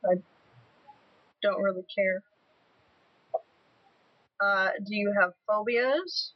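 A woman co-hosting a casual chat at home, playfully asking quick personal questions. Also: medium pitch, no room sound. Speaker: podcast co-host. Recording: muffled lo-fi home recording, faint hiss.

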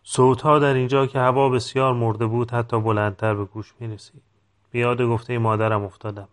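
A man reading a novel aloud in calm, measured scripted narration. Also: mid-range voice, smooth. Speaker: audiobook reader.

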